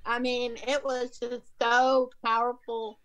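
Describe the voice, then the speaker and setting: A middle-aged woman from Alabama with a hoarse voice, telling her testimony excitedly on a video call. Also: a little high, slow, low-quality recording. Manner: excited, emphatic, repeats herself. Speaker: Zoom caller sharing a testimony. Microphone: laptop webcam video call.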